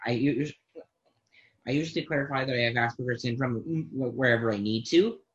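This man's voice is somewhat breathy, with a medium pitch and ordinary pitch variation. He talks at a fairly quick pace but leaves long, frequent pauses. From Toronto, Canada. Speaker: aspiring actor and performer. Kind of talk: personal testimony interview. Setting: call.

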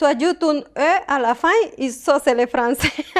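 Speaking very slowly with a Colombian accent, a woman uses a high pitch with ordinary pitch variation on a very clean recording with a silent background. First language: Spanish (speaking French). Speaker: immigrant interviewee. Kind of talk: interview. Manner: halting.

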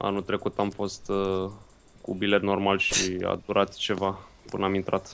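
The speech moves at a fairly slow pace with a monotone, flat intonation. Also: man, fairly low pitch for a man. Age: 20s. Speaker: live streamer, game dev student. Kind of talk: casual chat.

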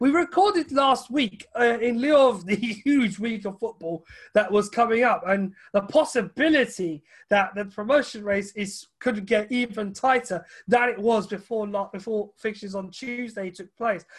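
At a moderate pace, a woman speaks in a fairly high, somewhat breathy voice with ordinary pitch variation against a quiet background. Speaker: podcast host. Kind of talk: casual chat.

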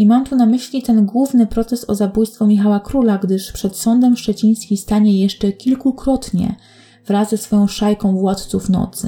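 An ordinary speaking voice from a woman, fairly high in pitch, with very even loudness, fairly even intonation and a moderate pace. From Poland, Łódź. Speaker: true crime podcaster. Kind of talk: storytelling narration.

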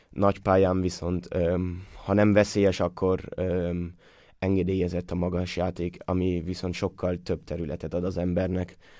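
A man with a very deep, low pitch and a dark, mellow tone speaks in a flat monotone at a moderate pace, on a very clean recording with a silent background. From Hungary (Budapest). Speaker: field hockey player. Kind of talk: interview. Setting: studio. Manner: halting.

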